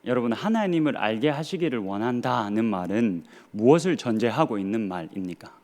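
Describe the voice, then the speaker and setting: A man's voice: medium pitch, animated, brisk, a little mellow. A man in his thirties, a pastor with a Gyeongsang Korean accent, preaching a sermon earnestly with rhetorical questions and dry humor. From Gyeongsang region of Korea.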